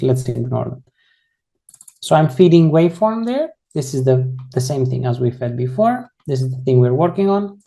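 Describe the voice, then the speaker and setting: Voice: medium pitch, dark tone. An instructor giving an online coding tutorial, talking casually and explaining each step while often rephrasing mid-sentence, on a computer mic during a video call. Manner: frequently rephrases and corrects itself mid-sentence.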